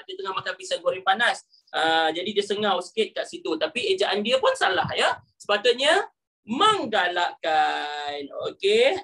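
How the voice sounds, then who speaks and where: A man's voice: high-pitched, sharp tone. A male teacher giving a live online lesson, chatty and joking, with frequent "ah" fillers between points.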